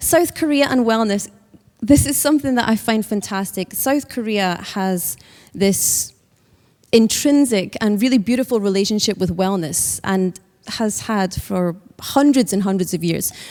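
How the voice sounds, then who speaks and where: A woman with a Scottish accent, medium pitch, lively intonation and an animated tone at a fairly slow pace. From Scotland. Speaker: wellness company CEO and conference speaker. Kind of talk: conference presentation.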